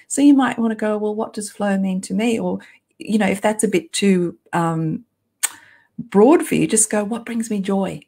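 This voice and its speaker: A woman's voice: medium pitch, creaky, darkish tone. A woman hosting an informal live talk, speaking in a down-to-earth, encouraging and conversational way. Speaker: workshop host, essential oils guide. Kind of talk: informal live online talk, answering viewer comments.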